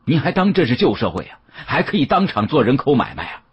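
A man narrating an audiobook as a dramatic storyteller, with an expressive, suspenseful delivery and a husky voice. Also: medium pitch, fast talker. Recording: dull, muffled audio.

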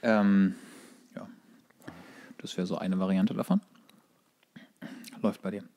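A man's voice: sits low, flat delivery, takes it slowly, a little mellow. Joking man in casual podcast banter. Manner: joking, ironic. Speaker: podcast co-host. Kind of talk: casual comedic chat.

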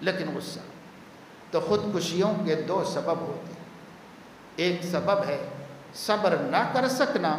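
A man's voice: sits high, slight background noise. A man, a maulana, giving a Friday sermon, emphatic and repeating key words for stress. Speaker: maulana preaching. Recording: echoey hall with long reverb.

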